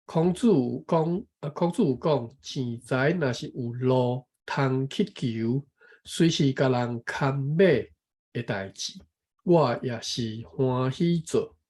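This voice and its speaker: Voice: medium pitch, takes it slowly, darkish tone. A speaker from Taiwan reading a text aloud and explaining it, careful and correcting pronunciation syllable by syllable. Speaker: co-host and reading teacher.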